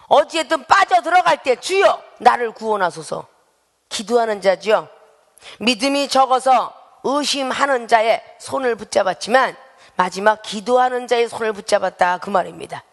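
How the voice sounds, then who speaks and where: A woman pastor preaching a sermon in a church, emphatic and calling out questions to the congregation. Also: fairly high pitch. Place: church sanctuary. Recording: long reverberant hall sound.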